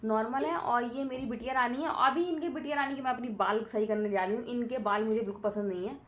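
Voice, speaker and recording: A woman in her thirties chats through a family vlog, wandering from topic to topic with plenty of fillers. Her voice sits a little high. She sounds easy and homely, as if talking to regular viewers. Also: quick pace, fairly bright tone. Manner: chatty, rambling with many fillers. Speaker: vlogger. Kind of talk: casual family vlog talk.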